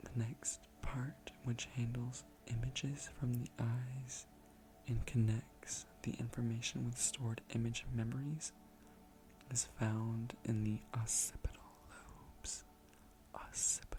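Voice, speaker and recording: A soft-spoken man whispering at a very slow pace, with long, frequent pauses and music in the background. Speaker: ASMR creator and student. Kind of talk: ASMR study-session reading of medical terminology. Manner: soft-spoken, whispering, slow and relaxing.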